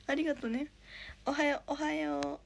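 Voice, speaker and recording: This is a casual home livestream on a phone, where a sleepless young woman training as an idol reads comments, thanks viewers chirpily and sometimes whispers. She has a high-pitched, gravelly voice with flat delivery at a moderate pace, and slight background noise is audible.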